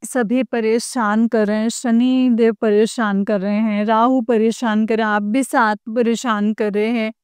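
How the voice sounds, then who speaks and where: A woman's voice: a little high, steady tone, unhurried, hardly any pauses, darkish tone, clear, resonant tone, no echo, clean studio sound. A woman on the verge of tears, pleading with her guru again and again in an emotional devotional talk to her followers. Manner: pleading, repetitive, addresses her guru directly. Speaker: devotional channel host addressing followers.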